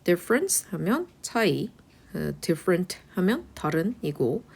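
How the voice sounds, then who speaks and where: Very animated, this woman teaches English vocabulary in a low, creaky, husky voice. She tosses out quick rhetorical questions, answers them herself, and regularly sinks into a whisper.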